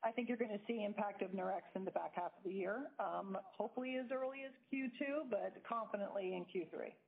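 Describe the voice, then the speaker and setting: A woman's voice: medium pitch, a little fast, creaky. A woman speaking as a company executive, answering questions on a business conference call over the phone. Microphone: telephone conference call. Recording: tinny phone line.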